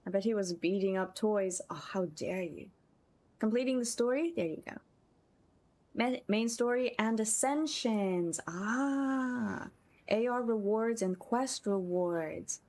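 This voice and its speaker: A game livestreamer and content creator chats casually and effusively with her viewers, thanking them often as she plays. Her voice is medium in pitch, slow, and darkish in tone. Music plays behind her.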